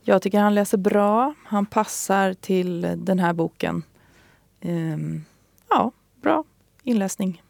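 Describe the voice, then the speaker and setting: A woman's voice: medium pitch, gravelly, darkish tone, dry recording. A woman talking casually on the radio as a guest recommending a book, hesitant, with many fillers and restarts.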